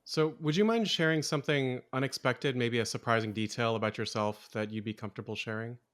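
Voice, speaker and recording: A man hosting a podcast speaks at a middle pitch. He opens with a read introduction, then moves to relaxed, measured questions. He fills his guest's pauses with short murmurs of agreement. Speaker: podcast host. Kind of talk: scripted intro, then casual interview questions.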